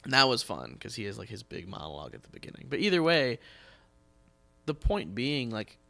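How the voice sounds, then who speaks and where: Male, American, podcast host, lively swooping pitch, casual, emphatic storyteller. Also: a little fast, creaky. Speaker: podcast host, theatre director. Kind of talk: casual interview chat.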